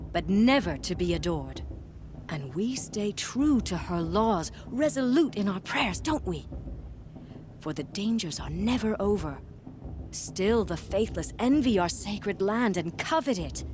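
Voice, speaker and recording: An actress playing an old tribal storyteller in a video game, solemn and dramatic, with hushed asides as she tells a legend to children. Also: medium pitch, animated, slight background noise, natural voice. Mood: reverent, warning. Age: older. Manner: slow, measured, dramatic delivery with hushed asides. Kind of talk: theatrical storytelling.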